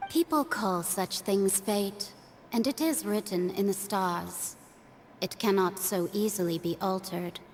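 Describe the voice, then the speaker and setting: Mysterious wandering sorceress for a game actress: unhurried, poised, amused and cryptic, mid-pitched, slight background noise. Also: female voice, a little mellow, close to an everyday voice. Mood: solemn, cryptic. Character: serene, enigmatic wandering mage woman, amused and cryptic. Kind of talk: video game voice acting.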